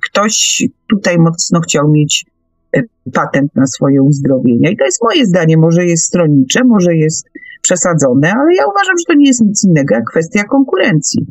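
A woman hosting an unscripted radio discussion, giving her views in a halting but emphatic way. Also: lowish voice, very animated, no room sound. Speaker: radio host. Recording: dull, lo-fi radio call audio.

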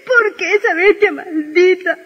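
A woman's voice: very high-pitched, unhurried. An actress playing a grieving village mother, sobbing and wailing in an old radio drama. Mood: sobbing grief. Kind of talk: vintage radio drama acting. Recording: muffled old radio recording with reverb.

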